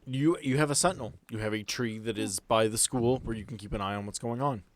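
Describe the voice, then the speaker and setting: A man narrating a tabletop game as game master, setting scenes in a conversational, halting way. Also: mid-range voice, slight background noise.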